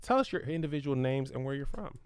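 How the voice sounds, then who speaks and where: Man, podcast host, teasing, lively pitch, crisp close sound. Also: fast talker, no echo. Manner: playful, teasing questions. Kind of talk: casual interview.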